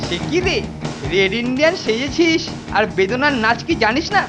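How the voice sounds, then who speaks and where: A boastful older schoolboy from a cartoon, pitched high. He swaggers and taunts like a comic bully, over clearly audible music. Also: expressive, moderate pace. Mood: gloating. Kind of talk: exaggerated cartoon acting.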